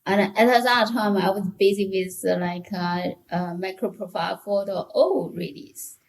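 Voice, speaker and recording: A woman with a Chinese accent chatting as a podcast guest in a halting, hesitant way. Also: medium pitch, creaky, slight background noise. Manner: halting, hesitant, many short restarts. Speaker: podcast guest, technical author. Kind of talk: casual interview chat.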